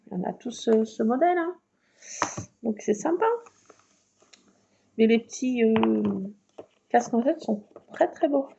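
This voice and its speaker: A woman chatting through a casual craft tutorial at home at night, keeping her voice hushed and often slipping into a whisper, with rambling asides. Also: fairly high pitch, vocal fry. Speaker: craft video maker. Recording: muffled lo-fi with faint noise.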